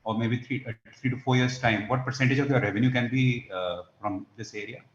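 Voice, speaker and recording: A man's voice: mid-range voice, fairly even intonation, a little fast. Male analyst on a call line, polite and hesitant, roomy and muffled. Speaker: analyst asking questions. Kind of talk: conference call questions. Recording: roomy, dull call audio.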